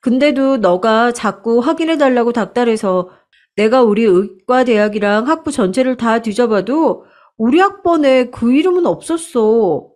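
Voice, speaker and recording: A chatty young woman student, frank and breezy with a friend. She speaks in a slightly high voice, as a woman narrator puts her on. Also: animated, moderate pace, a little mellow, natural voice.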